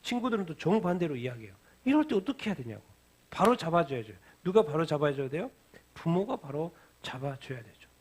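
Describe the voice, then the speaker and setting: A man's voice: fairly high pitch, big pitch swings, a little fast, a little mellow, breathy edge. A male pastor preaching a midweek sermon, asking the congregation questions, answering them himself, and repeating key phrases for emphasis. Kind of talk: midweek Bible-reading sermon. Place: church sanctuary.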